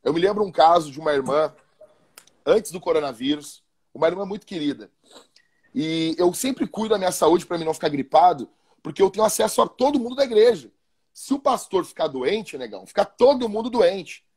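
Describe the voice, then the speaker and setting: A pastor talks in a relaxed, animated podcast manner, often doubling back on his words. His voice sits high for a man. It has a husky, breathy edge. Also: brisk. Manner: animated, colloquial, repeats and restarts words. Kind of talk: casual podcast talk about marriage.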